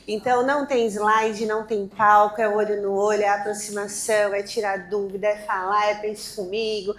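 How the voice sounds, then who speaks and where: A woman hosting a live event, talking to the audience in an energetic, quick and restless way. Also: mid-range voice. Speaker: event host. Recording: echoey room, faint noise.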